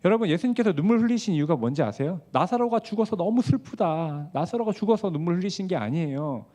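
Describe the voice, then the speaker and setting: Male pastor, sermon, mellow tone, fairly high voice, hushed asides then emphatic rises. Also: animated, fast talker. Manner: swings from hushed asides to raised emphatic preaching; asks the congregation questions.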